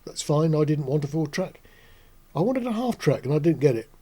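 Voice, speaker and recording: A man in his sixties hosting a casual explanatory talk in a measured, reflective, matter-of-fact way. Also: fairly high pitch, sing-song, warm tone. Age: 60s. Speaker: host. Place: small indoor studio.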